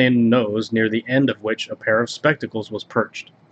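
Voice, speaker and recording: A man speaks with a medium pitch in a normal speaking voice. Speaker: audiobook reader. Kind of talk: literary audiobook reading, steady narration of a novel. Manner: measured, even narrator pace, formal literary delivery; casual and chatty when talking off-book.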